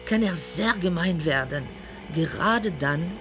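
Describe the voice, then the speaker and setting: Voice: mid-range voice, animated, slow. A performer playing a worldly drag queen in a radio play, reminiscing about a former lover in a wry, confiding manner. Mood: confiding, rueful. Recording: music behind the voice.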